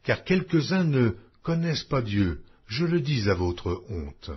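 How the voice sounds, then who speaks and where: A man reading scripture aloud in a slow, measured, expressive way, with a husky voice. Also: mid-range voice. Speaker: Bible reader. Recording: dull lo-fi audio.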